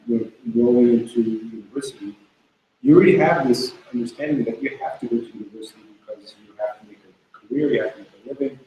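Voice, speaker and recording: A man's voice: medium pitch, highs cut off. A man in a class speaking spontaneously, thoughtfully arguing a point through examples. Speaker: class participant questioning the teacher. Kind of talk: spontaneous discussion from the audience. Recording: echoey, distant mic with background noise.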